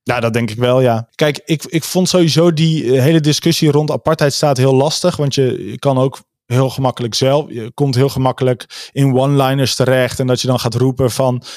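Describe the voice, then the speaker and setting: A man's voice: mid-range voice, darkish tone, no echo, studio quality. Hesitant Dutch-speaking man in conversation. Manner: hesitant, many fillers and restarts. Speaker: guest discussing a report. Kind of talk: casual conversational discussion.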